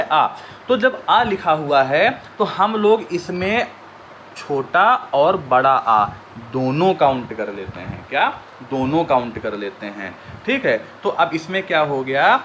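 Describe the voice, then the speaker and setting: Guy teacher with a high voice drilling exam prep, asks then answers himself, bit of hiss behind. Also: a bit bright. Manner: repeats questions and answers to drill students; chants formulas slowly.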